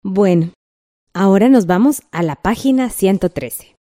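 A woman's voice: medium pitch, expressive, unhurried, dark tone. A woman with a Guatemalan accent teaching a textbook lesson, patient and checking in often with the listener.

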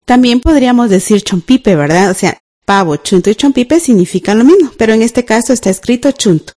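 A woman, co-teaching a radio school language lesson, explaining calmly, slowly and clearly. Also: on the high side.

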